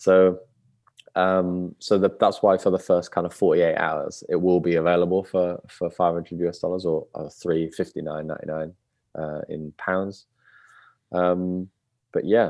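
A man's very deep, low voice in a Birmingham accent, with monotone, flat intonation. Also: moderate pace. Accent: Birmingham English (Brummie). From England, Birmingham. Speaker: watch brand founder. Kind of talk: interview.

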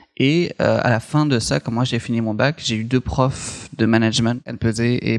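In a dry, close sound with no echo, a man of medium pitch speaks with ordinary pitch variation. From France, Paris region. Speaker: improv trainer. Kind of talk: interview. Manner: halting, many repetitions.

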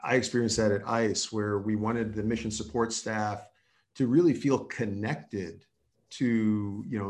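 A man with an American accent has an unremarkable speaking voice pitched fairly low. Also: quiet background. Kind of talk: interview.

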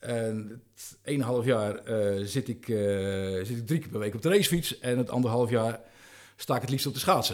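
On a very clean recording with a silent background, a man speaks at a moderate pace and medium pitch, with ordinary pitch variation. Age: 60s. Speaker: lighting specialist. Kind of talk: interview. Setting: at a table in person. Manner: halting, many repetitions.

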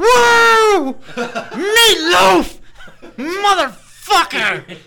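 Shouting in a put-on character voice, the speaker goes high in pitch with very wide swings while moving at a very slow pace. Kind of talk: crude, profane. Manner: screaming, shouting loudly into the microphone.

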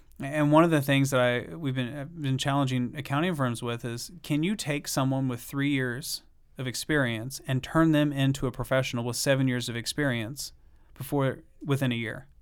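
A man's normal speaking voice with an American accent, medium in pitch, at a moderate pace with fairly even intonation, in a very clean recording with a silent background. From Missouri, US Midwest. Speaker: accounting trainer and consultant. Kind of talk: interview. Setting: studio.

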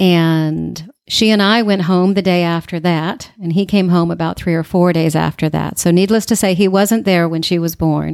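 A woman with an American accent uses an ordinary speaking voice, fairly low in pitch, with fairly even intonation, a moderate pace and hardly any pauses, in a very clean recording with a silent background. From Denver, Colorado. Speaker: hypnotherapist in recovery. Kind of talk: personal testimony interview.

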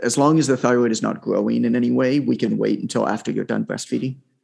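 A man with a Canadian accent speaks. His pace is very fast. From Ontario, Canada. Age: 30s. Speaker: online fitness coach and author. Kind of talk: casual interview.

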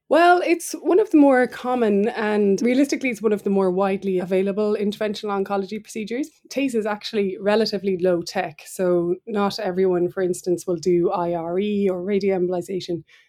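A woman's dark, mellow voice at medium pitch, fairly quick and with hardly any pauses. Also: ordinary pitch variation. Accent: Cork. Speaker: interventional radiologist. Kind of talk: interview / medical explanation.

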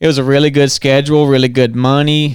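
A man speaks with a Southern US accent. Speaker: former police officer. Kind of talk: casual chat. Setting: studio.

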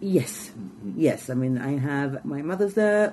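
This woman's voice sits very deep and low, and her intonation is lively. She speaks at a fairly slow pace. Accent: Israeli. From Israel (Jerusalem). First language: Hebrew. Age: middle-aged. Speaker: comedian. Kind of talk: casual chat.

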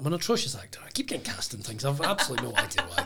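Over noticeable background noise, a man with a fairly high voice speaks in an animated tone. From Scotland. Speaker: comedian. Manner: animated, joking.

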